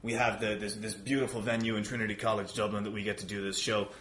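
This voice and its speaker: A man's voice: on the low side, level tone, quick pace, a bit bright. A man chatting as a promotional podcast guest, wry and a bit showy, often repeating words as he goes. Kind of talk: casual promotional chat. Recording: roomy echo, faint background noise.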